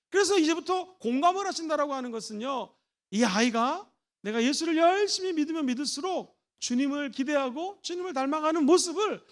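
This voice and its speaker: A man preaching a Sunday sermon as pastor, acting out quoted family voices with big swings in pitch. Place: church sanctuary.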